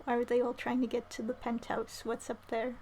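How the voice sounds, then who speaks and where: A woman's voice: fairly high pitch, monotone, a little fast, a little mellow. A woman giving casual live commentary as a game streamer. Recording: faint background noise.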